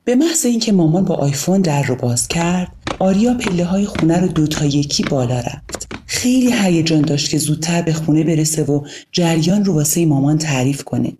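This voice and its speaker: A woman narrating an audio storybook in a calm, measured reading style. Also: low-pitched, slight background noise.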